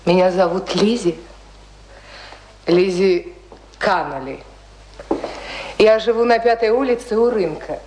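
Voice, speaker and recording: A woman's voice: medium pitch, takes it slowly, long pauses, darkish tone, natural voice. Actress as a forward working girl, noisy recording.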